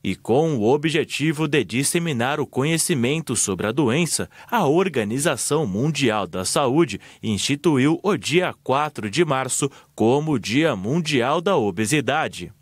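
A man with a Brazilian Portuguese accent reading a scripted news report in a steady, measured way. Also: medium pitch, slightly rough, no echo.

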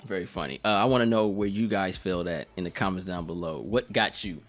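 A man's voice: deep voice, quick pace, soft background music. A man hosting a casual reaction chat in a slangy, informal way. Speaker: reaction channel host.

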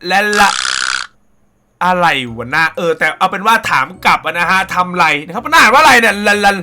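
A young man hosting a casual comedy reaction show, loud and crude, with frequent exclamations. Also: high voice, expressive, brisk. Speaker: reaction video host.

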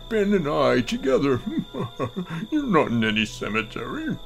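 A man acts out an excitable old doctor from a horror tale. The voice sits high and leaps dramatically, with slow, emphatic delivery. Faint music plays behind. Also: creaky, exaggerated voice. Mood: gleeful, gloating. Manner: theatrical, emphatic, pleading or gloating. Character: excitable old male doctor, gleeful prankster turning desperate. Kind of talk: dramatized horror story reading.

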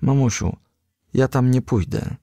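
A man's voice: mid-range voice, unhurried, creaky, dark tone, dry recording, clean studio sound, pitched above the performer's own voice. A man voicing a shy, reluctant young male firefly who protests plaintively in a storybook.

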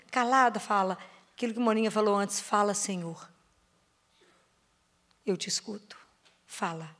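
A woman with a Brazilian Portuguese accent preaching a sermon to a parish prayer group. She asks her listeners questions, slows down on words she stresses and drops to a soft, low voice on key phrases. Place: church or parish hall.

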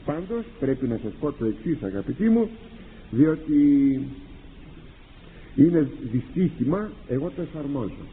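A man preaches to his congregation, his slightly high voice leaping up and down as he fires rhetorical questions and acts out little exchanges. The sound is thin and tinny, like an old archive tape, with a long reverb trailing each phrase and faint noise underneath. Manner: animated, rhetorical questions and acted-out dialogues. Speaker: priest and confessor. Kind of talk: sermon.

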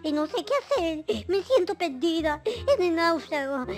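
A man's voice: very high-pitched, animated, moderate pace, faint music behind, pitched above the performer's own voice. A man voicing a doting, fretful mother in an improvised Minecraft roleplay, with sing-song endearments. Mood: worried.

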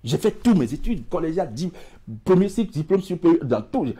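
A man's voice: a little high, sing-song, fairly quick, mellow, husky. A middle-aged man with a West African French accent, a guest in a TV studio interview, who gestures widely and stumbles over repeated words. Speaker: studio guest, emigration expert. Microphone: lapel mic.

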